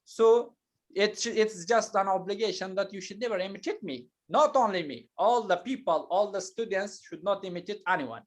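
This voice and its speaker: A man teaching an English lesson, explaining patiently and slowly with many hesitations and fillers. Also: sits high. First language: not Turkish.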